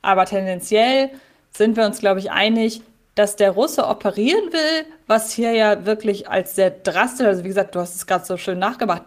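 A woman co-hosting a podcast in casual chat, analytical and wordy, often correcting herself. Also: mid-range voice. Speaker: podcast co-host. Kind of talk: casual chat about a radio play.

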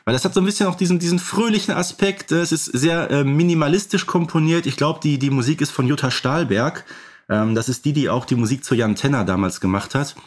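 A man's voice: on the high side, brisk. A middle-aged man talks as a podcast co-host. His style is casual and explanatory, rambling along through long thoughts padded with filler phrases. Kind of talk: casual conversational podcast talk.

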